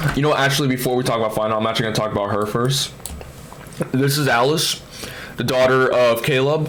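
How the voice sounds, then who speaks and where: With audible room echo and noticeable background noise, a man at medium pitch speaks at a very fast pace but with long, frequent pauses. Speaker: YouTuber ranking his own video series. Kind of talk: casual tier list commentary. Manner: stuttering; animated.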